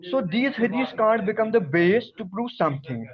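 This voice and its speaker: A man's voice: sits high, expressive, normal speed, a crowd in the background. A man calling in to a debate show, insistently pressing the host with questions. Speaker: caller. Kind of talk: call-in debate. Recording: dull lo-fi call line.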